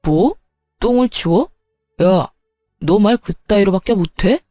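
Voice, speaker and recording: A woman's voice: mid-range voice, expressive, a little slow, dark tone, no echo, studio quality, faint music behind, lightly acted. A woman doing a cold, dismissive husband. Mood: indignant. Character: self-righteous husband, young married man.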